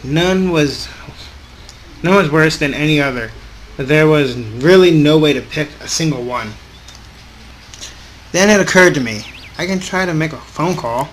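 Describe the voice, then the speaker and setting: A man hosting a gaming video, reading a visual novel aloud in an informal, halting way with casual off-script asides. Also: fairly high pitch. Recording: clearly audible background noise.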